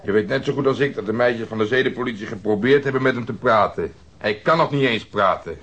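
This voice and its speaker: An actor playing an irascible, overworked police detective in a radio crime drama, gruff, sarcastic and quick to swear. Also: male voice, mid-range voice, a bit bright. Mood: irritated. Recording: dull lo-fi radio drama recording.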